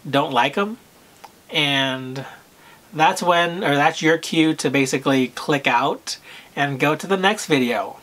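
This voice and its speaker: A man talking casually to camera about luxury purchases, with a soft, soothing voice and a hesitant manner full of pauses and fillers. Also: fairly high pitch. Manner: unhurried, hesitant, full of "um" and "you know", frequent throat clearing. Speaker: luxury fashion vlogger.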